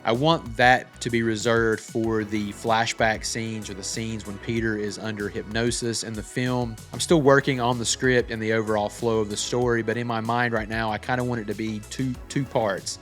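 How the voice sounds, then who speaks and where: A man's voice: fairly low pitch, little pitch movement, moderate pace, hardly any pauses, a bit bright. A man giving a casual tutorial as a filmmaker, walking through how a short film was made. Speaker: filmmaker presenting a breakdown of their own short film. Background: background music.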